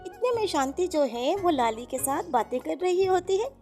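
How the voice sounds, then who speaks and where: A woman's voice: very high voice, expressive, normal speed, a little mellow, soft background music. A woman narrating a children's moral story in an informal, explanatory way.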